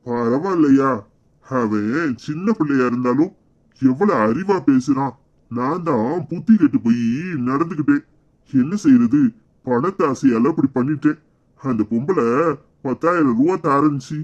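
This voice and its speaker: A man's voice: medium pitch, a little slow, a little mellow, lightly acted. A man voicing a humble, pleading poor kidnapper in a cartoon, with a Tirunelveli Tamil accent. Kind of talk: cartoon voice acting. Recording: slightly dull lo-fi sound.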